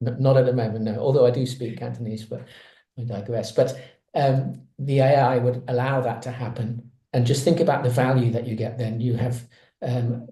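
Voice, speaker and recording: A man's voice: mid-range voice, mellow, echoey room. A man speaking on a webinar panel, explaining ideas conversationally with examples over a video call.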